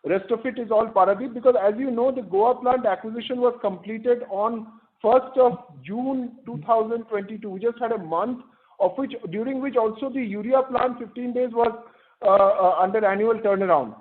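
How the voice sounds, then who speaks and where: A man with an Indian accent answering earnings-call questions as an executive, haltingly working through figures and correcting himself over a phone line. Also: extremely high pitch. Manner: halting, self-correcting while citing figures. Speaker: company executive. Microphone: telephone conference line. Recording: muffled, band-limited conference phone call.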